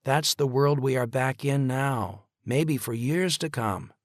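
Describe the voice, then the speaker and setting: A man's voice: medium pitch, dry recording, clean studio sound, pitched above the performer's own voice, lightly acted. A man reading as a weary, grim doctor. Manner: tired, then cold and measured.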